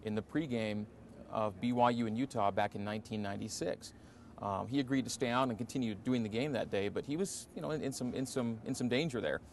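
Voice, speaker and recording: A man in his forties, a radio announcer, answering interview questions in a relaxed, reflective way with many fillers, in an empty indoor arena. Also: medium pitch, brisk, slight background noise. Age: 40s.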